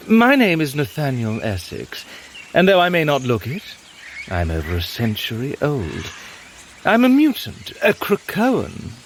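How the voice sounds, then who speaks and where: An actor playing a sly, grandiose, century-old mutant villain in an audio drama, with pompous, silky, drawn-out persuasion. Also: male voice, medium pitch, slight background noise, exaggerated voice.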